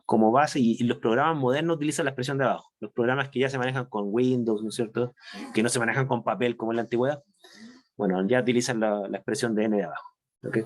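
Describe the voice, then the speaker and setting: A man giving a university chemistry lecture, explaining step by step, slowing down to stress key points and often checking that students follow. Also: mid-range voice, steady tone. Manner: explanatory, checks understanding with frequent tag questions. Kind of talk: online class lecture.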